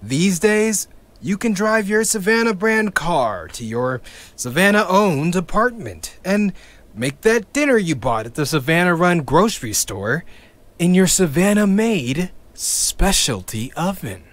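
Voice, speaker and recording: A man's voice: sits high, very animated, unhurried, a bit bright, exaggerated voice. An actor playing a bitter young male activist in an audio drama, sardonic and swearing, with wry laughs between his lines.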